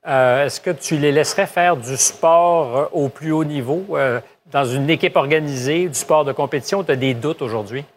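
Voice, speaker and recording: A man with a Québécois accent hosting a live radio talk show, brisk and quick to interject. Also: on the high side, a little hiss or hum. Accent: Québécois French. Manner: brisk, interjecting, wraps up segments.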